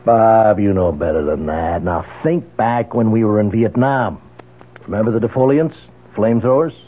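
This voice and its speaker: Tinny radio actor's tough, husky private eye. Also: male voice, fairly low pitch, moderate pace, natural voice. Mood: hard, reasoning. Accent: American. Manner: blunt, scoffing. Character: tough, skeptical ex-Marine private detective. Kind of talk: 1970s American radio drama acting. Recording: tinny, phone-like old radio broadcast.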